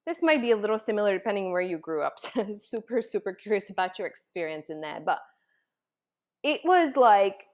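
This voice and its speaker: A woman from the Czech Republic, talking casually to viewers as a coach, telling personal stories in a chatty, animated way full of "like"s. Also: mid-range voice. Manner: chatty, animated storytelling with many "like"s.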